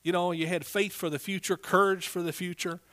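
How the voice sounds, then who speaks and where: A man's voice: high-pitched, level tone, brisk, fairly bright tone. A middle-aged man with an East Texas accent preaching a sermon in a folksy, emphatic way, prompting listeners as he goes.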